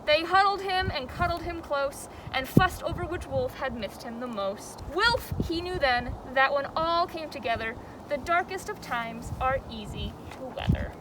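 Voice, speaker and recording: A woman reading a children's story and teaching as a zoo educator, with an expressive, dramatic delivery. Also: normal speed, few pauses. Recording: outdoor background noise, faint vehicle rumble.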